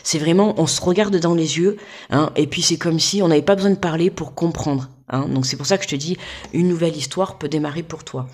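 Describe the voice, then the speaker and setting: A woman's voice: sits low, brisk, darkish tone. A woman giving a casual tarot guidance reading to the viewer in a chatty, informal way, often checking in with the listener. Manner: chatty, keeps checking in with "d'accord?" and "tu vois"; informal, speaks directly to the listener. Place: home desk.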